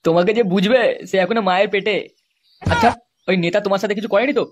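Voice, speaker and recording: A man voicing a crude, jealous, eager lover and schemer in a comedy cartoon, with a husky processed voice. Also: high voice, fast talker, a little hiss or hum.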